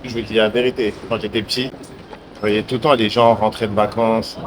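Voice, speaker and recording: A man's voice: lowish voice, flat delivery, a little fast. A young man vlogging casually to the camera as he travels, in hyped, slangy street talk. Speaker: entrepreneur vlogger. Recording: noisy traffic and street background.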